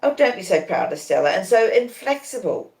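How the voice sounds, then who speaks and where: A woman voicing an earnest, wretched young gentleman who pleads emphatically in a story reading. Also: mid-range voice, very animated, brisk, gravelly, reverberant, poor audio. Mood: agitated, wretched.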